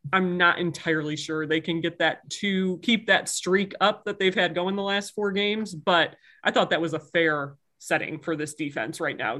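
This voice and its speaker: Bright-voiced woman explaining her pick. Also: low voice. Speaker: podcast panelist. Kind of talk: casual sports podcast chat.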